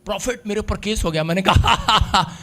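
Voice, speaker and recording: A male preacher, giving a lively sermon that swings between shouts and hushed asides. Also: high-pitched, normal speed. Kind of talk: energetic sermon with call-and-response.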